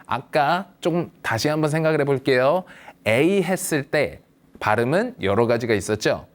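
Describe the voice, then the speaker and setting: A man teaching English pronunciation to older learners, patiently modelling words for the viewer to repeat and reassuring them. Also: mid-range voice. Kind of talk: slow, patient language lesson for seniors.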